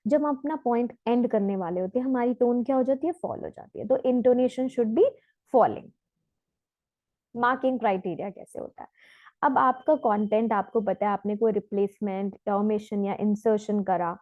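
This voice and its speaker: A woman teaching an exam prep lesson. She switches between Hindi and English, answers her own questions, and reads the sample passages slowly and carefully. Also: mid-range voice, no room sound. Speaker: test prep trainer. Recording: tinny phone-like lo-fi audio.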